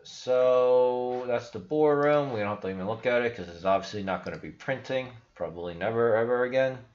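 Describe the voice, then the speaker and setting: A man's voice: mid-range voice, a little fast, darkish tone. Skeptical young man, echoey lo-fi room. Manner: blunt, skeptical, rambling with restarts. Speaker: crypto channel host. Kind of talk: casual screen-share commentary. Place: small room indoors. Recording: echoey room, dull lo-fi sound.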